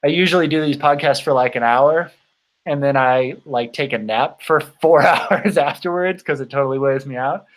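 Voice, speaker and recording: A man's voice: mid-range voice, poor audio. Casual man in his thirties, voice tiring. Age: 30s. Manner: halting, rambling, informal. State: voice tiring from long talking. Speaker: host of a bicycle touring channel. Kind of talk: casual livestream chat.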